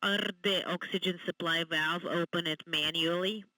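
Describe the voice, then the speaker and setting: Man on a bright radio loop. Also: a little high, fairly even intonation, rough recording. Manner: measured, reads out times and checks step by step. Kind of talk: clipped radio procedure calls.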